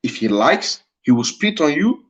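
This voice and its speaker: This livestream speaker has a fairly high, sing-song voice and keeps a moderate pace. He speaks with a Nigerian Igbo accent, lecturing passionately and repeating phrases for emphasis, and the stream audio is dull and lo-fi.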